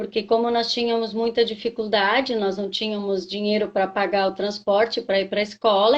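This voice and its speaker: A woman speaks in a normal speaking voice at a moderate pace. Her fairly high pitch carries fairly even intonation. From southern Brazil, Rio Grande do Sul (Harmonia). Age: 40s. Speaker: teacher and mother sharing faith testimony. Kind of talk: testimony.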